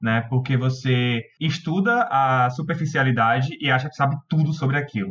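A man with an unremarkable speaking voice speaks at medium pitch and a moderate pace, leaving hardly any pauses. His loudness stays very even, and his pitch varies in an ordinary way. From Bahia, Brazil. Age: young. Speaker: writer and student. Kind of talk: casual chat.

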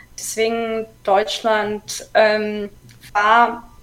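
A woman speaks at medium pitch. Noticeable background noise is present. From Ukraine. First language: Ukrainian (speaking German). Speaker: immigrant. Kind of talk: interview. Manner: hesitant, many fillers.

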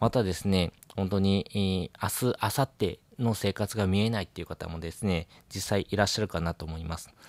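In a very clean recording with a silent background and a dry, close sound with no echo, a man with a plain, everyday voice talks at a fairly quick pace and fairly low pitch, with ordinary pitch variation and big swings in loudness. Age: 30s. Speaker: podcast host. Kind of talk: solo talk podcast. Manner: many filler words.

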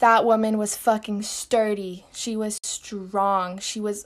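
On a very clean recording with a silent background, a woman with a fairly high pitch speaks at a very slow pace. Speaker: podcast host. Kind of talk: personal monologue. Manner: calm.

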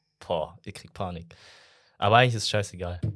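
Pitched fairly low, a man speaks with ordinary pitch variation. The recording is very clean, with a silent background. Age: 20s. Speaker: podcast co-host. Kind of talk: casual chat.

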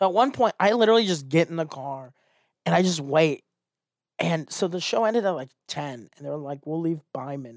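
A man with an ordinary speaking voice and an American accent talks at a fairly high pitch, his loudness swinging widely, in a very clean, dry, close recording with a silent background and no echo. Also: lively intonation, fairly quick pace. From Dallas, Texas. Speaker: comedian. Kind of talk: casual chat. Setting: studio.

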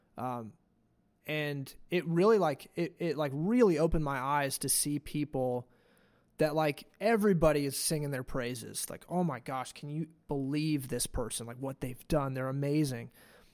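On a very clean recording with a silent background, a man speaks in a normal speaking voice, fairly high in pitch, at a moderate pace with ordinary pitch variation. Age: 30s. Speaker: drum and cymbal maker, drummer. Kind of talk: casual chat. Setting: live recording at a venue.

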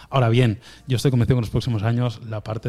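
On a very clean recording with a silent background, a man speaks at medium pitch in a dark, mellow tone with fairly even intonation. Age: 30s. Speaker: tech YouTuber and entrepreneur. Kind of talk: interview.

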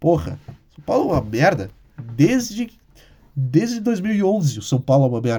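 Quiet and somewhat breathy, a man speaks in a dark, mellow tone with very wide pitch swings. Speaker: podcaster. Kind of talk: casual solo monologue. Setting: home bedroom at night. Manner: speaking quietly.

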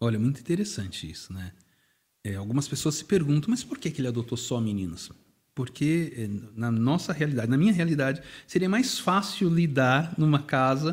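Somewhat breathy, a man talks at a fairly quick pace with very wide pitch swings. The recording is very clean, with a silent background. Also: fairly high pitch for a man. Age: 40s. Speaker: adoptive father of six. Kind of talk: testimony.

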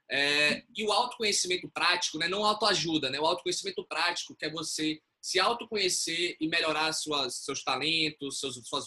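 The voice belongs to a man. He varies his pitch in an ordinary way. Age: 20s. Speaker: community leader in self-knowledge education. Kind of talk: interview.

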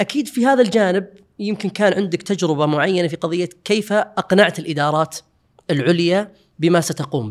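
Here is a man with a high-pitched voice. His intonation is lively. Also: moderate pace. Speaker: podcast host. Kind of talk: interview conversation.

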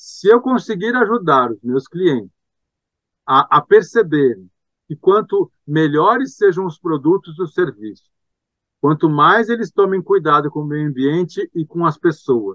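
Using lively intonation, a man with a high pitch talks at a fairly slow pace. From southern Brazil, Porto Alegre. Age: 50s. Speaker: lawyer. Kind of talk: casual interview.

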